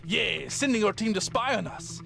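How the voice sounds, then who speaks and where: Man doing a creaky, villainous squad leader. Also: high voice, expressive, normal speed, over music, full character voice. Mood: indignant, menacing. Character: proud, vengeful male enemy squad leader, melodramatic. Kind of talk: animated comedy voice acting.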